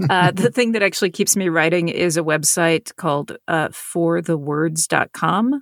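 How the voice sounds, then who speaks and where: A woman with a plain, everyday voice and an American accent, fairly low in pitch with ordinary pitch variation, at a moderate pace with hardly any pauses, her loudness very even, in a dry, close sound with no echo. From US South, Raleigh, North Carolina. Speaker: novelist. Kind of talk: interview.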